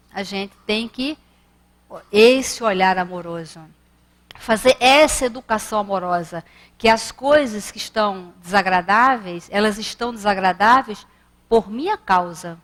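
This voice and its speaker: A woman's voice: fairly high pitch, a bit bright. Brazilian woman giving a spiritist lecture. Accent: Rio de Janeiro Portuguese. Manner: conversational, acts out children and staff in her stories.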